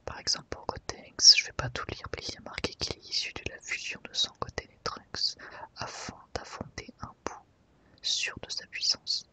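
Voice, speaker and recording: An ASMR host, whispering softly and unhurriedly while guiding listeners through a book. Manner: soft, unhurried guided browsing through a book.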